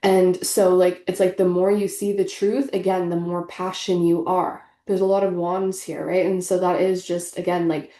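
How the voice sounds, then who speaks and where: Young woman, congested, stuffy nose, mellow tone, roomy echo, casual tarot chat. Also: lowish voice, level tone, moderate pace, few pauses. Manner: chatty, filler-heavy, earnest spiritual talk. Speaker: tarot reader. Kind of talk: casual tarot reading vlog.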